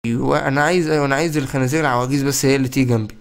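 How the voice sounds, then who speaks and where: A man's voice: medium pitch, fairly even intonation, rapid-fire, creaky, slight background noise. A young man with an Egyptian Arabic accent giving playful, chatty gameplay commentary and talking straight to his viewers. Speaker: gaming YouTuber.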